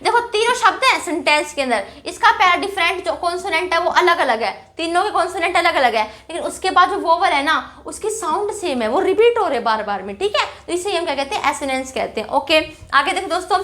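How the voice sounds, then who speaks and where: High-voiced chatty woman teaching grammar. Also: expressive, brisk, few pauses, sharp tone. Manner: chatty, repeats "ठीक है" and rhetorical questions. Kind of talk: casual classroom explanation.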